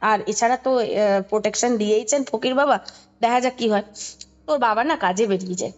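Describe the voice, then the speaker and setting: A woman with a Kolkata Bengali accent speaks in a fairly high voice, with music playing behind her. She tells a story conversationally, explaining details and often checking that the listener follows. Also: brisk, highs cut off. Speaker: podcast guest recounting a ghost story.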